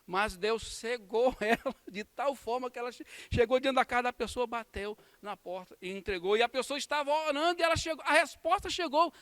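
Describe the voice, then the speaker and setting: High-voiced Brazilian pastor telling a story. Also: male voice, fairly quick, few pauses, dry recording. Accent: Brazilian Portuguese. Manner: storytelling with acted-out quotes and warm laughs. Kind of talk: Sunday school sermon. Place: church.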